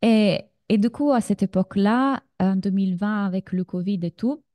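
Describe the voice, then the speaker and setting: A woman's voice: medium pitch, normal speed, dark tone, dry recording. A woman from Sardinia in her thirties with an Italian accent, leading a live online masterclass as a business coach and chatting directly with her audience. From Sardinia, Italy.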